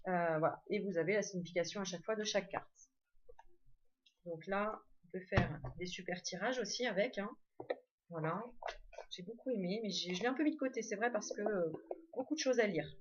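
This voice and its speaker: A woman's voice: medium pitch, fairly quick, dull audio, slight background noise. A woman casually showing her tarot and oracle card decks, chatty, with many fillers and restarts. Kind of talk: casual show-and-tell.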